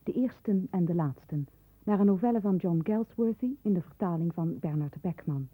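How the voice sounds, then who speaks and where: A woman announcer reading credits formally and deliberately, as on a muffled vintage radio broadcast. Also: fairly low pitch, lively intonation, breathy edge. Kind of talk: formal scripted cast announcement.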